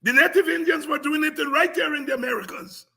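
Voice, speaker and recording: A man with a Guyanese accent giving an impassioned, informal history lecture as a programme host, emphatic, repetitive and combative, with a raspy, gravelly voice. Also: extremely high pitch, brisk, pushed and bright.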